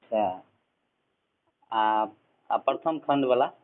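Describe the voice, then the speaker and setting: A man's voice: mid-range voice, slow. A male student phoning an official, asking questions and answering with short acknowledgments. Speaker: student caller. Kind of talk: phone conversation. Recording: tinny phone line.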